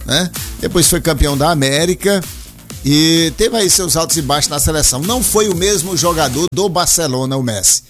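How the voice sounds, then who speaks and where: This male host runs a casual radio show about football, chatting freely and fielding calls from listeners. His voice is on the high side and fairly bright, moving at a moderate pace over faint background music, and he keeps ending lines with a lilting "né?".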